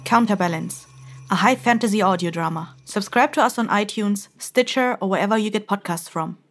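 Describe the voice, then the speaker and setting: A woman's voice: mid-range voice, fairly quick, faint music behind. A woman reading scripted narration as announcer for an audio drama trailer.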